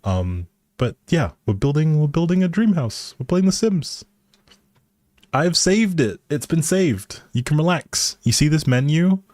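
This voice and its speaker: A man's voice: on the high side, sing-song, measured pace, a little mellow, no echo, studio quality. A man livestreaming a game with casual, playful, teasing chat to his viewers.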